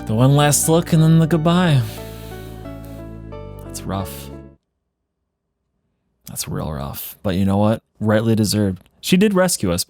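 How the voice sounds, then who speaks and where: A man gives casual let's play commentary. His voice is medium in pitch and moves around in a lively way. Music plays behind him. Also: measured pace, pauses often.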